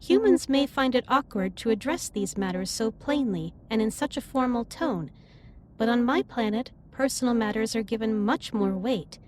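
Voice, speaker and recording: A woman playing a caring alien starship captain in a sci-fi audio drama, speaking formally and in measured phrases with gentle reassurance. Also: fairly high pitch, animated, slight background noise, natural voice. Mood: earnest, reassuring. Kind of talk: scripted roleplay audio drama, intimate comforting monologue. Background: ambient music.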